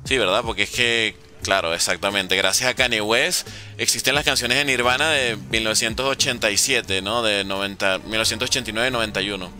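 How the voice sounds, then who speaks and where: A nineteen-year-old Venezuelan gaming streamer answers viewer questions from chat with sarcastic jokes during casual livestream commentary. His voice is fairly low, sharp, and brisk. Faint music plays behind him.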